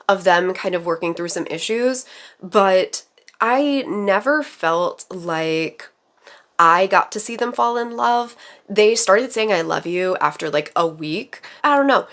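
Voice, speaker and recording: Lower-voiced woman, bit raspy, rambling chatty book vlog talk. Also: a bit bright. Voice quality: a little raspy. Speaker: book vlogger. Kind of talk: casual chat.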